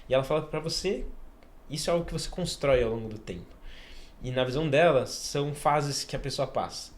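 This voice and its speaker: A man's voice: on the high side, fast. A Brazilian man hosting a podcast. He eagerly explains an idea step by step in a casual way. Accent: Brazilian Portuguese. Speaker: podcast host.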